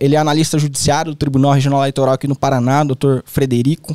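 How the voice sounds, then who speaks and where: A man against a quiet background. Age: 20s. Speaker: lawyer and law lecturer; lawyer, law lecturer. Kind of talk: casual interview. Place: studio. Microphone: studio mic.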